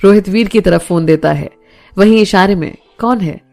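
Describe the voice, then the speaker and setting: A woman narrating a romance audio story in a steady storytelling manner. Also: medium pitch, moderate pace, vocal fry, soft background music.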